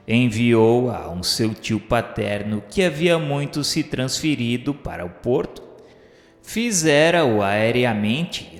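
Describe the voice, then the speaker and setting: A man delivers scripted dramatic narration for a radio serial in a solemn, formal, deliberate manner with emphatic enunciation. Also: medium pitch. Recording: echoey hall reverb, music behind.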